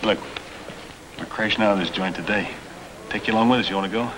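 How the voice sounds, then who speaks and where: A man's voice: lowish voice, fast, close to an everyday voice. A male actor playing a tough, scheming convict who talks in prison inmate slang, in 1950s screen drama style. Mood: conspiratorial, urgent. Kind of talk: 1950s black-and-white screen drama acting. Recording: noisy old film soundtrack.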